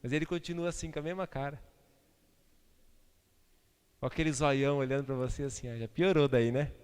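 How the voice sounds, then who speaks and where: A man, preaching a sermon as pastor, swinging between loud outbursts and hushed asides. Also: mid-range voice, steady tone, a little fast, smooth. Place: church sanctuary. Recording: reverberant church hall.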